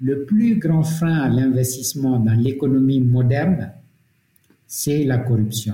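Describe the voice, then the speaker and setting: A man's very slow, somewhat breathy speech at a medium pitch, dark and mellow in tone, with ordinary pitch variation and very even loudness. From Mali. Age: 50s. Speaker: hotel group founder and CEO. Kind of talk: interview. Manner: halting.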